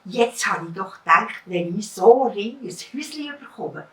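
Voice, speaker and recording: A woman's voice: medium pitch, lively intonation, a little slow, recorded from a distance, a little hiss or hum, natural voice. A greedy, bossy fisherman's wife nags and orders her husband about, played by a Swiss German woman storyteller. The voice carries a roomy echo and is heard from a little way off. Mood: demanding. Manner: bossy and nagging.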